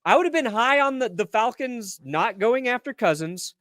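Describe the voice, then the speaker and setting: High-voiced man ranting about sports. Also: animated, normal speed, a bit bright, no echo, studio quality. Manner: ranting, blunt and profane. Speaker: sports show co-host. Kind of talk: casual sports talk and ranting.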